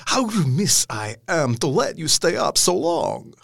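An actor playing a courtly, gentlemanly vampire count in an audio drama, speaking with formal, exclamatory courtesy. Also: male voice, fairly high pitch, sing-song, unhurried, vocal fry, no echo, studio quality, exaggerated voice. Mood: courteous surprise.

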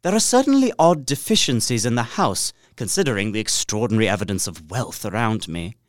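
A man's voice: fairly low pitch, animated, fairly quick, no room sound, clean studio sound, close to an everyday voice. An actor playing a polite, observant and uneasy young solicitor, narrating his journal earnestly and precisely in a gothic audio drama. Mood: composed, puzzled. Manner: precise, earnest, theatrical storytelling.

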